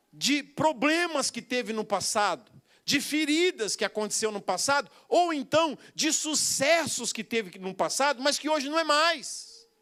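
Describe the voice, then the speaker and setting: A man's voice: very high voice, bright, forceful tone. A man with a Brazilian Portuguese accent preaching a sermon, telling a story with quoted voices and bursts of laughter.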